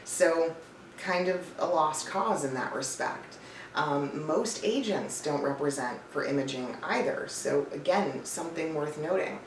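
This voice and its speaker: In an unhurried, slightly low voice, a voice-over coach and casting professional shares a list of tips to camera, bluntly, emphatically and conversationally. A cat is nearby in the indoor room, and the echoey space and distant mic leave faint noise under her words.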